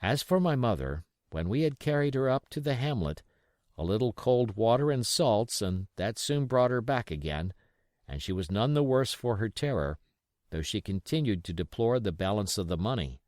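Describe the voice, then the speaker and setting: A man reading an adventure novel aloud as scripted, expressive, dramatic narration. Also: on the low side, moderate pace, no room sound, clean studio sound. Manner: expressive storytelling. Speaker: audiobook reader.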